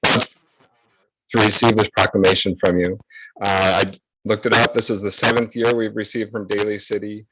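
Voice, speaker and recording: A man speaking over a group video call as a guest from a nonprofit, giving earnest and reflective acceptance remarks with gentle laughs. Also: lowish voice, little pitch movement, normal speed, no room sound, poor audio. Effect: heard over a group video call. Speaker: guest from a nonprofit receiving a proclamation. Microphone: computer mic on a video call.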